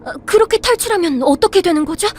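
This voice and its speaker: Frightened young survivor: high, highly animated voice, halting and emotional, audio drama with music underneath. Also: female voice, a little hiss or hum. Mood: lost, hesitant. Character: frightened, wary young human survivor, desperate to live.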